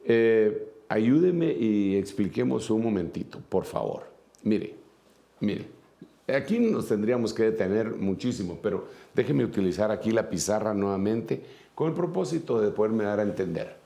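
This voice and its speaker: Gravelly-voiced man preaching. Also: lowish voice, expressive, normal speed, dark tone. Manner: reads scripture aloud, then explains with many fillers and asides. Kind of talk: sermon teaching with a whiteboard.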